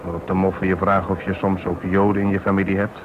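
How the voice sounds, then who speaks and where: Low-voiced indignant man, acted on noisy recording. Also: monotone, quick pace, close to an everyday voice. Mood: sarcastic, challenging. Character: indignant, defiant Dutchman challenging his companion. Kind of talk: Dutch radio play acting. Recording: dull, noisy old radio recording.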